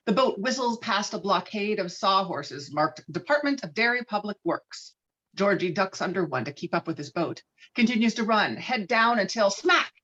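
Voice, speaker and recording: A woman's voice: fairly low pitch, fairly bright tone. Woman narrator, slightly dull recording. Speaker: narrator reading stage directions. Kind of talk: dramatic scripted narration.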